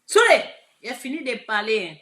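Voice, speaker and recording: A woman with an Ivorian French accent giving an impassioned, preachy live video address, swinging from shouted lines to hushed asides. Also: on the high side, very animated, brisk. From Côte d'Ivoire. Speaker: online commentator.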